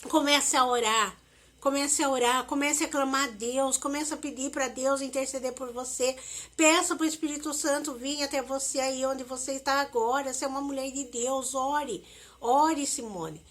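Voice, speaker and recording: A woman voicing her devout female friend, who keeps pleading with someone to calm down and pray. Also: high-pitched, normal speed. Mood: urgent pleading. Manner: pleading, insistent, repeats herself. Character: adult woman friend, urgently calming, devout.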